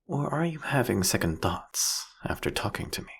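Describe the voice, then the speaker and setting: A jealous, philosophical vampire king acted by a man for a fantasy audio roleplay. His voice is deep and rough with fry, rising and falling expressively. He draws out his eloquent phrases with a teasing, seductive mockery. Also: sing-song, moderate pace, a bit bright, exaggerated voice.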